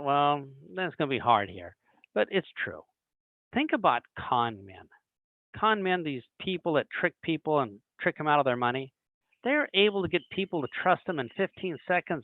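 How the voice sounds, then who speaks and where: Lively man on a tinny video call. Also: on the high side, no echo. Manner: animated, acts out little dialogues. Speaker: webinar presenter. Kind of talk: recruiting training talk. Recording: dry tinny phone-like online call audio.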